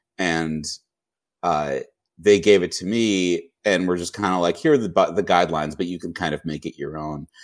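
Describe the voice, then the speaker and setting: A very deep, low-pitched man's voice with an American accent, moderate pace and fairly even intonation, in a very clean recording with a silent background. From US Northeast, Boston. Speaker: songwriter and entertainment professional. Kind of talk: interview.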